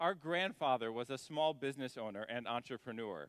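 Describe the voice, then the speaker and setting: A man with a normal speaking voice, lively intonation and a moderate pace. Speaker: keynote speaker. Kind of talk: conference talk.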